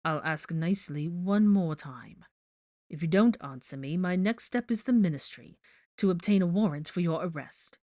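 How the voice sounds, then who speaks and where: Icy young male lead , acted by a woman narrator, low-pitched, clipped menace, tightly controlled temper, storybook drama. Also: expressive, a little mellow, no room sound, clean studio sound, natural voice. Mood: controlled threat. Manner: cold, measured, deliberate. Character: angry young man, icy, controlled, threatening.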